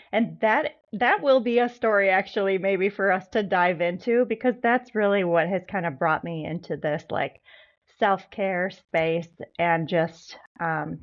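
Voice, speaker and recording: A woman's voice: lowish voice, highs cut off. A woman in her forties from Wisconsin with a Wisconsin accent, a podcast guest, bubbly and friendly with filler ums. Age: 40s. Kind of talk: casual interview chat.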